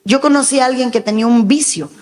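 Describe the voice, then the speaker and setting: A woman's voice: on the high side, quick pace, a little mellow. A woman pastor preaching a sermon with emphatic delivery, now and then acting out the voices she quotes. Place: large church hall. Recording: reverberant hall.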